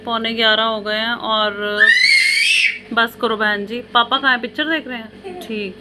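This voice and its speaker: A woman's voice: a little high, steady tone, moderate pace. A mother, vlogging casually at home at night and coaxing and soothing her children. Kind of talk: casual home vlog talk. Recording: noisy home phone recording.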